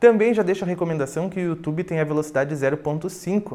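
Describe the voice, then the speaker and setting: A man talks with ordinary pitch variation. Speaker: spirituality channel host. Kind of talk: casual spiritual Q&A talk. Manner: fast.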